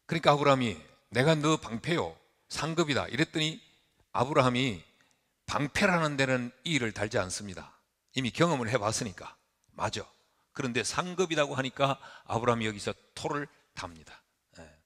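A middle-aged male pastor preaching a dramatic sermon into a pulpit microphone, acting out the voices of God and Abraham and swinging between soft lines and loud ones. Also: medium pitch, lively intonation, a little fast. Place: church sanctuary with long reverb. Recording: reverberant church hall.

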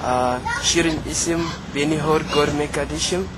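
A sixteen-year-old South African male student with a South African accent, speaking broken, halting Turkish as a foreign learner. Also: fairly high pitch, fairly even intonation, very noisy. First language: not Turkish; learner of Turkish. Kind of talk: self-introduction and poem recital.

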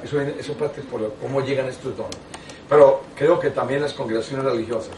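An older man, a priest, teaching a lay audience in a small meeting room, telling stories with lively asides and restarts. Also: medium pitch, fairly quick, distant mic, a little hiss or hum. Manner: animated storytelling with frequent asides and restarts. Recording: echoey room, taken from afar.

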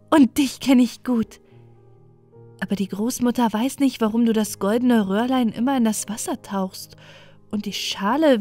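A woman playing storybook little girl, high voice, innocent, kind, exclamatory, music behind. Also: close to an everyday voice. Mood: curious delight. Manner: bright-eyed, innocent, exclamatory.

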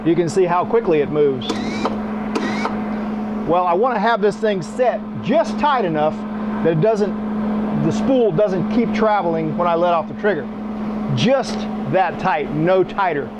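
A man's voice: sits high, lively intonation, measured pace, heavy background noise. A middle-aged man giving a hands-on welding tutorial in a small workshop, blunt and folksy, working the machine as he talks. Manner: demonstrating at the machine while talking. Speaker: welding instructor.

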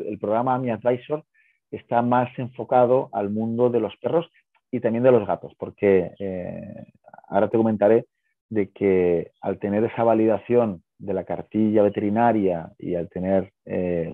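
Heard through a thin, phone-like video link, a man with a notably husky, fairly low voice explains things in a conversational way. He keeps adding little questions to make sure he's followed, and there's no room sound at all. He's a guest and co-founder of a pet business.

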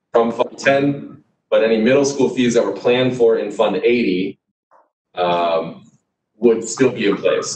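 A man chairing a school board meeting, measured and formal, calling on members and checking his understanding, heard over a video call. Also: mid-range voice. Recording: echoey distant video-call audio.

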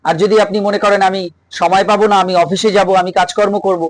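High-voiced Bengali man explaining rituals. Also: level tone, quick pace, dry recording, low-quality recording. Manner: explains patiently, checks in with listeners. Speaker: reiki teacher. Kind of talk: spiritual advice talk.

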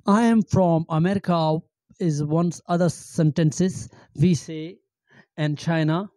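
A middle-aged man giving an amateur language lesson, halting and repeating phrases with many fillers, speaking into a handheld microphone in a small room. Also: fairly high pitch, steady tone, mellow, no room sound. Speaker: language teacher. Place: small indoor room with green backdrop.

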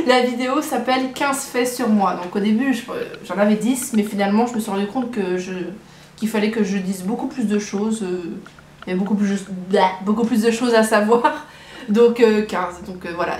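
A woman's voice: mid-range voice, darkish tone. Young woman chatting to camera, kinda rambly and repeats herself, roomy sound w background noise. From Brittany, France. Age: early 20s. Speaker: vlogger presenting herself. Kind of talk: casual chat to camera. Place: small living room at home, indoors. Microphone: compact camera on tripod, about a metre away. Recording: echoey room, clear background noise.

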